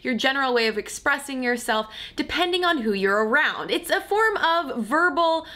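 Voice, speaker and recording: A woman hosts a scripted explainer with dry comic asides. Her voice is bright and a little high, and her pitch moves around a lot as she goes. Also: sing-song, moderate pace. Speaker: video host.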